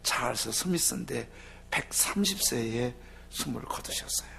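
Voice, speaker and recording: A man preaching a sermon as a pastor, telling a story with emotion and swinging between loud outbursts and hushed whispers. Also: on the high side, big pitch swings, measured pace, gravelly, a little hiss or hum.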